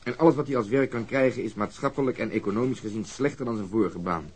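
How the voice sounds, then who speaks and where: An actor playing a blunt, assertive police detective reasoning through a case in a naturalistic radio drama. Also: male voice, mid-range voice, fast, close to an everyday voice. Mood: convinced, indignant.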